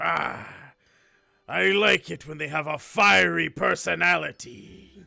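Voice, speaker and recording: A man puts on a raspy character voice with a fairly high pitch. He speaks at a fairly slow pace. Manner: flirtatious, smug.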